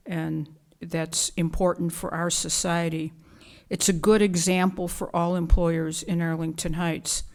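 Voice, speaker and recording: Woman w a lowish voice giving earnest remarks at a council meeting. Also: little pitch movement, unhurried, a little mellow. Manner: earnest, with fillers and restarts. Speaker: commissioner presenting an award. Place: council chamber.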